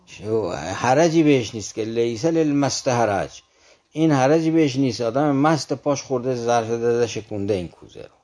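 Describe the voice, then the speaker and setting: A man explaining classical poetry in conversation, earnest and patient. He recites verse slowly and then unpacks each line. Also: mid-range voice, animated, a little mellow. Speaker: literature commentator.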